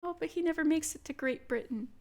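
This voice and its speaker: A woman giving playthrough commentary as she reads a game aloud, expressive and teasing. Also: sits high, quick pace, slight background noise. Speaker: game streamer reading dialogue aloud.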